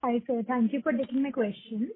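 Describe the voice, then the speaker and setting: A female analyst speaks over a thin phone connection. Her voice sits fairly high and has a slight rasp, and she asks politely. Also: fairly even intonation, fairly quick. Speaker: financial analyst calling in. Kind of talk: asking questions on an earnings conference call. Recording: thin telephone line.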